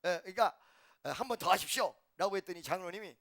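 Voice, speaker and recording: A male pastor preaching a sermon, telling stories and acting out the people in them, swinging from hushed asides to shouted lines. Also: high voice, expressive, quick pace. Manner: swings from shouting to hushed, acts out quoted dialogue. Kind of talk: sermon with storytelling.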